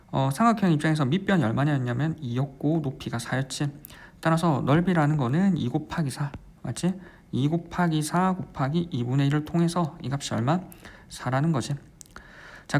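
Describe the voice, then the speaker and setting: A man working through a math exam problem step by step as a tutor, repeating his phrases and constantly asking quick check questions. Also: a little high, gravelly. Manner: keeps asking quick check questions like "right?" and "how much?"; repeats phrases while writing. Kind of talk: exam solution walkthrough lecture.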